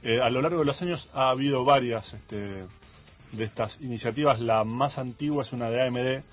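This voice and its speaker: A man with an Argentine accent co-hosting a radio tech show, explaining things in a relaxed way and often agreeing. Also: mid-range voice, fairly quick. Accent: Argentine Spanish. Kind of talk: casual radio chat. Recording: phone-like radio broadcast.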